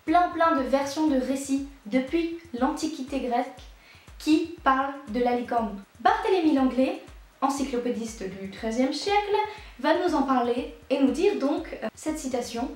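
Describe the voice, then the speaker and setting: A woman giving a playful, chatty explainer to her viewers, with quick asides along the way. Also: high-pitched, expressive. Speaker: YouTube educator. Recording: echoey room.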